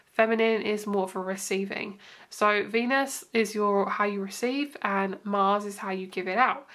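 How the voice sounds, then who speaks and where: A woman's voice: medium pitch, fairly bright tone. A young woman with a stuffed-up nose from hay fever, giving a chatty, reassuring tarot reading with lots of fillers. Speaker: tarot reader. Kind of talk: casual tarot reading to camera. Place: indoor room, table seen from above.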